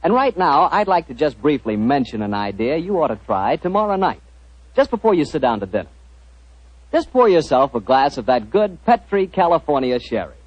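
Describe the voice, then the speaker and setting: A man's voice: a little high, big pitch swings, moderate pace, dry recording. Polished old-time radio announcer, a man. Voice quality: smooth, salesman-like and polished. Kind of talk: 1940s radio announcing and sponsor ad. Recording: dull 1940s radio broadcast.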